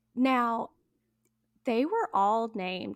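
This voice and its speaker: A woman speaks with a fairly high pitch. The recording is very clean, with a silent background and a dry, close sound with no echo. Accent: Southern. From US South, South Carolina and Alabama. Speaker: nurse and podcaster. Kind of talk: casual chat.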